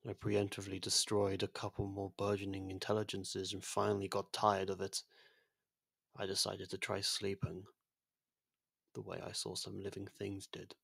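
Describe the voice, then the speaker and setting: Ancient world-ending entity for ASMR audio roleplay, male performer. Gravelly, even delivery, soft, formal and gently confiding. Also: sits low, no echo, clean studio sound, heavily acted. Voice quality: husky, creaky, soft. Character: ancient genocidal otherworldly being, imprisoned, now courteous and fond.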